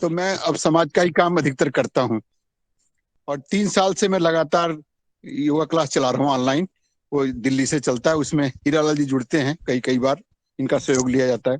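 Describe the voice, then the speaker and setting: Against a quiet background, a man with a fairly high pitch speaks at a moderate pace with ordinary pitch variation, the sound dry and close with no echo. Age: 60s. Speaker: retired farmer and yoga class organizer. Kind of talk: online meeting self-introduction. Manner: halting.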